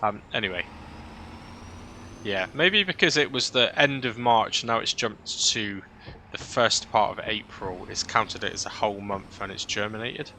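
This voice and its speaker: Low, bright-voiced British man, chatty gaming commentary. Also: measured pace. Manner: chatty, self-questioning with tag questions. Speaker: gaming video host. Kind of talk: casual gameplay commentary, thinking aloud. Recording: noisy, vehicle-like engine ambience.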